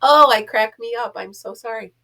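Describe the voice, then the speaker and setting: A woman's voice: fairly high pitch, normal speed, gravelly, sharp tone. A middle-aged or older woman chatting casually in a rambling, self-deprecating way on a vlog, stuffed up from a cold so she sounds like her nose is pinched. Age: middle-aged or older, a grandmother. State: stuffed up from being sick. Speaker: host of a crochet vlog.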